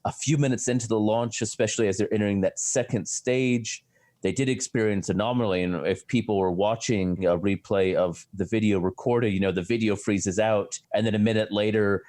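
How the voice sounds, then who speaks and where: A low-pitched American man talks through a science story. He is chatty and loose, with many restarts and fillers. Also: steady tone, brisk, a little mellow. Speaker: astrophysicist co-host. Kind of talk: casual science chat.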